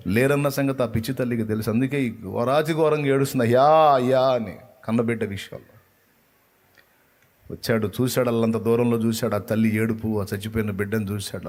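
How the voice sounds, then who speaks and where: A man with a medium-pitched voice delivers a sermon as a preacher. He tells his story with passion and keeps asking the listeners rhetorical questions. He repeats key lines over and over for emphasis.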